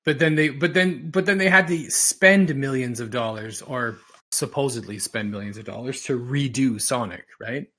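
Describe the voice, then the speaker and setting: A man's voice: medium pitch, moderate pace, pushed and bright. A man chatting casually on a podcast, emphatic and exasperated, repeating himself to drive points home. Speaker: podcast host. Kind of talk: casual rambling podcast chat. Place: recorded podcast, audio only.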